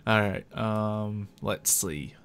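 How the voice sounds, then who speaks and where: A man's voice: fairly low pitch, very slow, fairly bright tone, smooth. A man speaking casually as game master of a tabletop roleplaying game, narrating and chatting with players. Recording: music behind the voice. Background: music.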